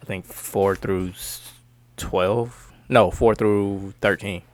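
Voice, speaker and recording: A man in a casual sports podcast chat, measured and explanatory when making his points. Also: sits low, steady tone, a little mellow, dry recording.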